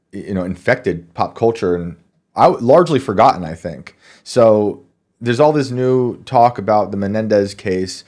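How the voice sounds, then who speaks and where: Deep-voiced laid-back male podcast host. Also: a little mellow. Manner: laid-back, loose, many fillers. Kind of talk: casual conversational interview.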